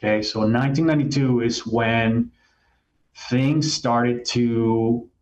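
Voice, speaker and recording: A man's voice: medium pitch, fairly even intonation, slow pace, darkish tone, slight background noise. A middle-aged man from Venezuela, earnestly telling his life story as a guest in an interview. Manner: earnest, explanatory, reflective. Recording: slightly dull lo-fi sound.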